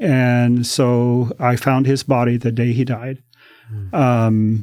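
A man talks at a medium pitch, keeping his intonation fairly even. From US West (Colorado, Denver). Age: 60s. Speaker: former banker sharing faith testimony. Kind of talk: testimony.

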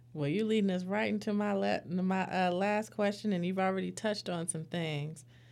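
A woman with an unremarkable speaking voice talks at a fairly quick pace with hardly any pauses, medium pitch and ordinary pitch variation. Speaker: podcast host. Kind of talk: interview, hosting.

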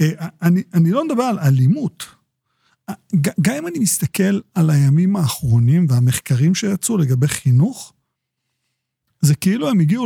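Speaking at a moderate pace with long, frequent pauses, a man with a high pitch shows very wide pitch swings, his dark, mellow tone heard in a dry, close sound with no echo. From immigrant to Israel. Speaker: podcast host. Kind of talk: interview. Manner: casual, conversational.

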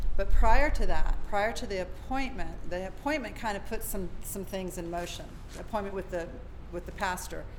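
A woman with an American accent talks at a moderate pace with big swings in loudness, amid noticeable background noise and audible room echo. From US South, Gainesville, Florida. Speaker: church member. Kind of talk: interview conversation.

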